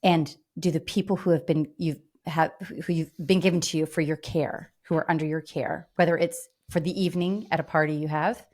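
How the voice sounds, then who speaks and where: Low-voiced woman in reflective conversation. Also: fairly even intonation, fairly quick, few pauses, a little mellow. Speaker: podcast co-host.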